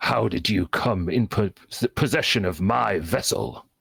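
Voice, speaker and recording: A man does a put-on character voice at a very deep, low pitch and a moderate pace. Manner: imperious, demanding.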